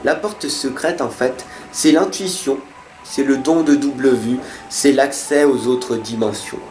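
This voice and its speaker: A man's voice: mid-range voice, a little slow, darkish tone. A man giving weekly card-reading guidance, speaking earnestly and encouragingly straight to the listener. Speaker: card reader. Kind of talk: weekly tarot guidance talk. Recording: echoey room with faint music.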